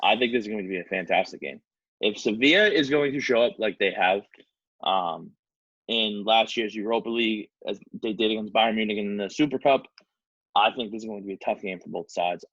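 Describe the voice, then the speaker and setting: Talking football on a podcast he co-hosts, a man chats casually but hesitantly and stumbles on foreign names. He speaks a little fast in a lowish voice that's fairly bright with a breathy edge. It's a dry, dull lo-fi recording without room sound.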